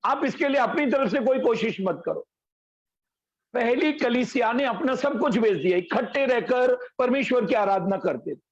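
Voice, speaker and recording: A man's voice: very high voice, expressive, moderate pace, dull audio. A male pastor preaching a sermon, telling folksy anecdotes and stories, over an online call. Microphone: video call.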